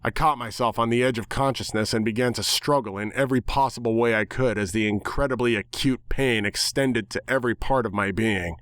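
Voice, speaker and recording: A man's voice: medium pitch, fairly bright tone, dry recording, clean studio sound. A man giving a dramatic first-person reading of a story as its narrator. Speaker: narrator of fan fiction.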